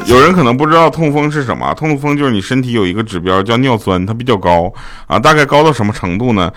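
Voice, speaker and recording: A man's voice: lively intonation, quick pace, fairly bright tone, faint music behind. A man, hosting a comic podcast and telling jokes, acting out the people in his stories. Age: 30s. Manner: joking, acts out quoted relatives with jumps in pitch. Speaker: podcast host. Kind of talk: comic storytelling monologue.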